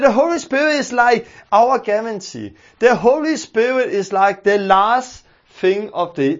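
A man's voice: high-pitched, gravelly, lo-fi sound. A man with a Danish accent, teaching a sermon in an earnest, emphatic way, repeating his key phrases. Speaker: preacher.

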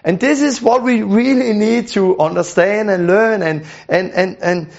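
Man, high-pitched, gravelly, earnest teacher, repeats himself, dull lo-fi recording. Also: measured pace, darkish tone. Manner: earnest, repeats words and restarts phrases. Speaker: teacher on deliverance ministry. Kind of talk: teaching lesson.

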